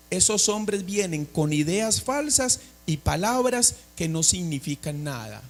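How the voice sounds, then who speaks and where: High-voiced preaching pastor. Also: male voice. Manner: preaching with questions to the congregation and call-and-response. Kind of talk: sermon.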